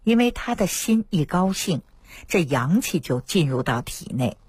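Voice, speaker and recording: A woman doctor, telling lively anecdotes about patients on a radio talk show. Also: fairly low pitch, unhurried, husky, no echo. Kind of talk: storytelling health talk on radio.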